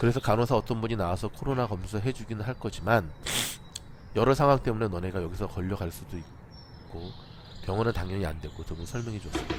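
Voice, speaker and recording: A man speaks at a fairly quick pace in a fairly low pitch, with ordinary pitch variation. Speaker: team leader presenting a shared testimonial. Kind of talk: reading a testimonial aloud with personal commentary.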